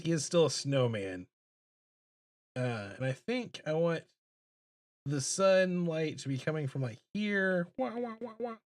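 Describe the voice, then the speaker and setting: On a streaming microphone, a deep-voiced illustrator hosts a relaxed livestream. He draws while thinking out loud, his chat mumbly and self-deprecating.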